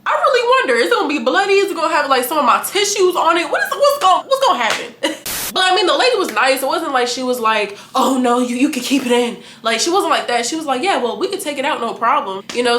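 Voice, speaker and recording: Young woman in her 20s, vlogger, bright voice, animated and frank, echoey room. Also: sits high. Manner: animated, candid, laughing, profane. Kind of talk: casual chat to camera.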